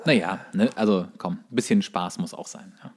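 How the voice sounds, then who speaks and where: A man's voice: low voice, normal speed, darkish tone. A man co-hosting a comedic podcast, teasing and quizzing in a casual, wry way. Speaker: podcast co-host. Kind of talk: casual comedic banter, quizzing his co-host.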